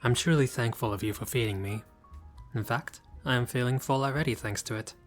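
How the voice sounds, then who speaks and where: A man's voice: medium pitch, brisk, faint music behind, close to an everyday voice. A man playing a haughty but friendly vampire lord in a roleplay audio, speaking in a formal, fussy, politely pompous way. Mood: gracious, refined. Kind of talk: scripted roleplay audio addressed to the listener.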